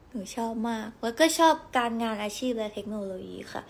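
A woman's voice: a little high, fairly quick. Giggly young woman chatting on a livestream. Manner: chatty, giggly, animated storytelling. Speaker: idol livestream host. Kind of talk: casual livestream chat. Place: home.

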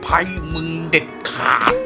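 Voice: measured pace, lightly acted. A performer voicing a middle-aged father who is grieving for his lost pet bird, in a cartoon fan dub, with music underneath. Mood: furious. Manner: wailing, then bitter and threatening.

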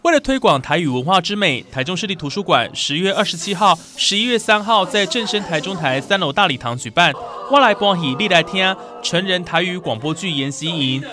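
A woman with a Taiwanese Mandarin accent reading scripted news narration as a reporter. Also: fairly low pitch.

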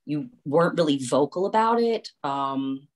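Very deep-voiced woman on a call. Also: animated, a little slow. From West Virginia. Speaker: guest director. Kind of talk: casual chat.

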